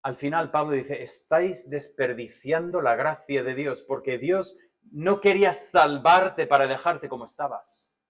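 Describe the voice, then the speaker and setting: A man with a Spanish accent from Spain preaching a sermon as pastor, animated, swinging between loud emphatic lists and soft, low asides. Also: unhurried. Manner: animated, varies loudness widely, drops to soft asides.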